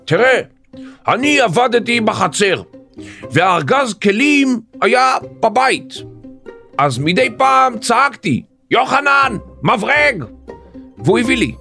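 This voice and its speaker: A man's voice: very high-pitched, very animated, soft background music, heavily acted. A man playing a crotchety old priest. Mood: gruff. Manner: gruff, scolding, shouting orders. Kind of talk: comic audio sketch.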